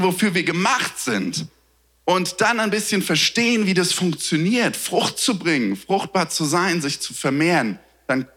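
A man preaching a sermon in a lively, conversational way, asking his listeners questions. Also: fairly high pitch. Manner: lively, conversational, asks the audience. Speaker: pastor. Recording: reverberant hall.

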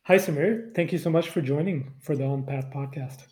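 A man's voice: on the high side, normal speed, darkish tone, slight background noise. A man hosting a podcast, reading a scripted introduction and then asking friendly interview questions. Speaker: podcast host.

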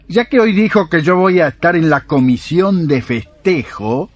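A man's voice: sits high, no room sound, heavily acted. A man playing a sulky, sarcastic out-of-work husband with an Argentine accent in a radio drama. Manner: grumbling, sarcastic.

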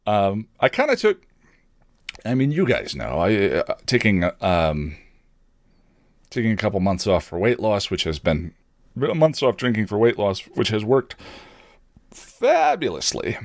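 A man's voice: lowish voice, wildly swooping pitch, a little slow, long pauses, dry recording. A man hosting a podcast, giving casual, rambling announcements with dry, self-deprecating humour. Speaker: podcast host and streamer.

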